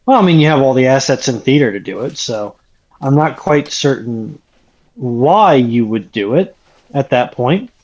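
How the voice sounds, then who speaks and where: A man's voice: medium pitch, expressive, normal speed, a little mellow, dull audio. A man chatting casually as a panellist in a history discussion.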